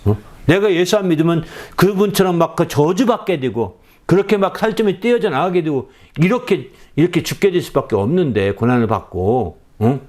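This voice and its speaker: Lively-voiced male pastor preaching. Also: a little high, normal speed, hardly any pauses. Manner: conversational preaching with frequent "eh?" checks to the congregation. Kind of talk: sermon.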